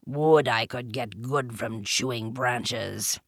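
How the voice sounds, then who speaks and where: A man voicing a sly black panther in a storybook, quietly menacing and dryly amused, with a slow purr. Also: mid-range voice, no echo, studio quality, voice pushed down.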